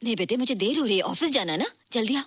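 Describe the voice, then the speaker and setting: An actress playing a brisk, affectionate middle-aged mother in a film scene. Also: a little high, expressive, close to an everyday voice. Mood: motherly. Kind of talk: Bollywood film acting. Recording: film soundtrack with loud music. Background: film score music.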